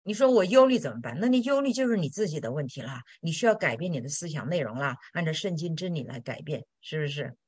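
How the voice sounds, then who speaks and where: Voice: medium pitch, expressive, quick pace, few pauses, breathy edge, no room sound. Blunt Christian teacher answering questions, plain everyday chat, dry close sound. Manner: direct, blunt, colloquial with tag questions. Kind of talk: sermon-style Q&A.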